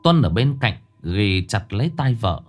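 Low-voiced guy telling a ghost story, lots of ups and downs in his voice. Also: unhurried, soft background music. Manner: dramatic, expressive storytelling.

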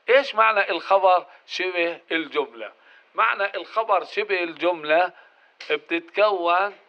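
A male grammar teacher who explains step by step, putting questions to the class and answering them himself. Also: a little high. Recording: dull lo-fi recording.

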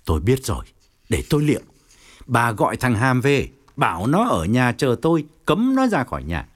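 A man's voice: huge pitch swings, normal speed. A man voicing a domineering middle-aged provincial chairman who scolds and gives orders in an audiobook. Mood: stern. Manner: furious scolding, then lowered calculating tone. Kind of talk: audiobook character reading.

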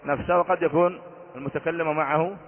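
A man's voice: a little high, steady tone, a little fast. A man, a sheikh, teaching an Arabic grammar lesson, quizzing his students and repeating each rule. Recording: tinny phone-like audio in a long-reverb hall.

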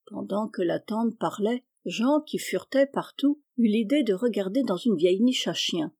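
A woman narrates a classic novel aloud in a calm, measured storytelling voice. Her pitch is mid-range and her tone warm, mellow and relaxed. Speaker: audiobook reader.

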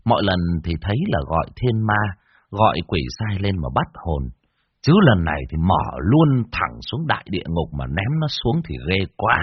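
A man narrating a ghost story in a lively, dramatic way. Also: low voice, breathy edge, no echo. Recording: dull lo-fi dry recording.

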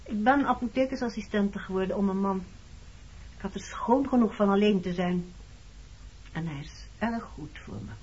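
A woman's voice: medium pitch, moderate pace, a little mellow, lightly acted. An actress playing a guarded, pointed woman in her early thirties in a Dutch radio play. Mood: matter-of-fact. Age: 30s. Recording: dull lo-fi radio recording, clear noise.

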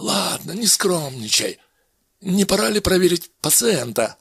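A man doing a gleeful, high-voiced scientist. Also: big pitch swings, measured pace, vocal fry, a bit bright, slightly rough, no room sound, clean studio sound, exaggerated voice. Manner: enthusiastic, breathless praise. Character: excitable male scientist, gleeful and admiring.

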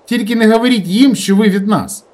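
A man reading aloud, voicing a rough, restless young village guy who talks bluntly in crude slang. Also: high voice, fairly quick, a little mellow, voice pushed up, close to an everyday voice. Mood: brusque.

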